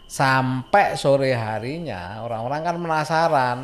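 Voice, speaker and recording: A man's voice: mid-range voice, unhurried, a little hiss or hum. A man casually telling a spooky true story, full of fillers and self-corrections. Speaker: storyteller recounting a childhood event. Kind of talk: casual spoken horror storytelling.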